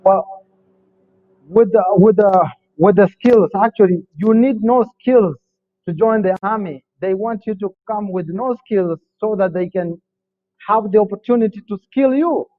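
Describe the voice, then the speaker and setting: A man's voice: sits high, measured pace, no echo. Kenyan-born man on a tinny line. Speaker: panel guest, army veteran. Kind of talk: panel discussion.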